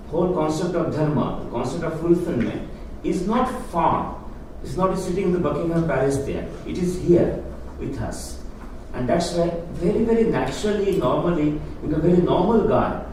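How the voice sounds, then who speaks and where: A man's voice: on the high side, a little mellow. A man giving an earnest public talk, explaining ideas to an audience in plain, non-native phrasing. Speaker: guest speaker on Hindu philosophy. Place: lecture room with audience. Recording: echoey hall, speaker far from mic, noisy.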